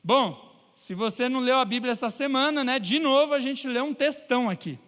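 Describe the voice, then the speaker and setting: A man with a Brazilian Portuguese accent preaching a sermon in a church, lively and joking with his congregation. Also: very high voice, fairly quick, clear, resonant tone, big-room sound. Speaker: pastor. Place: large church hall.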